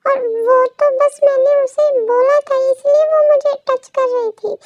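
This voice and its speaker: A woman's voice: very high-pitched, steady tone, a little slow, darkish tone, no room sound, highs cut off, soft background music, voice pushed up. A woman voicing a playful young husband who teases his partner and then begs her forgiveness, in a pleading, coaxing manner. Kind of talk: storybook role reading.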